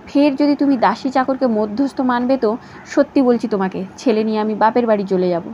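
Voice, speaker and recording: A woman voicing a teasing, quick-tongued young wife, in a slightly dull recording with faint hiss. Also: a little high, lightly acted. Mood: pert. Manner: pert, lively retorts.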